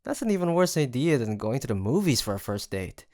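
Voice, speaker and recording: A man's voice: mid-range voice, big pitch swings, brisk, a little mellow, dry recording, studio quality, close to an everyday voice. A man playing a sweet young male roommate and best friend in an intimate roleplay audio, teasing and chatty with a playful storytelling streak. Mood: amused, teasing. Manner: teasing, chuckling, mock-grandiose storyteller.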